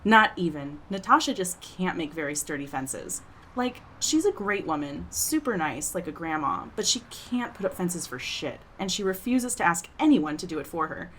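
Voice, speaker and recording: A woman's voice: lowish voice, sing-song, normal speed, fairly bright tone, slight background noise, rough recording. A woman playing a brash, friendly young townswoman in an audio drama, slangy and full of playful ribbing. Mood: casual, amused.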